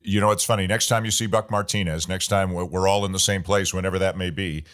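A male host with a low, deep voice who asks questions in a relaxed, conversational way. He offers his own opinions freely and adds easygoing asides. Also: fast talker. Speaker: podcast host. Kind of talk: conversational interview hosting.

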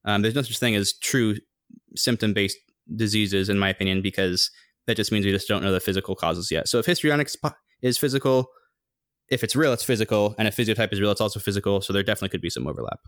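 A young man co-hosting a podcast, rambling casually with a slightly monotone, humming voice. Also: fast talker, dry recording, clean studio sound. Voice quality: somewhat monotone, humming low resonance. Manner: rambling, thinks aloud with many fillers. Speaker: podcast co-host. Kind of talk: casual chat.

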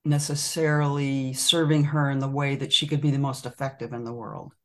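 Measured, storytelling woman guest. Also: extremely low pitch, little pitch movement. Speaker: podcast guest, author. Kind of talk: casual conversation.

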